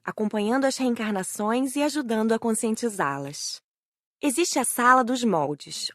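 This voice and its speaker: A woman's voice: mid-range voice, fairly bright tone, dry recording, studio quality. A woman reading scripted first-person narration as an audiobook narrator.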